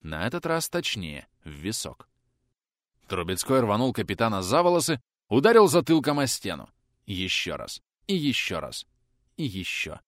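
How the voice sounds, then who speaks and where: A man's voice: on the low side, huge pitch swings, normal speed, dry recording, clean studio sound. A man narrating a war adventure audiobook in a tense, vivid manner.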